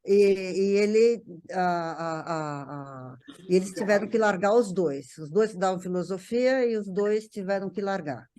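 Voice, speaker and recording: An older woman reminiscing in casual conversation, haltingly, often repeating words as she searches for phrasing. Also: medium pitch, mellow. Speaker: guest recalling a parent's life.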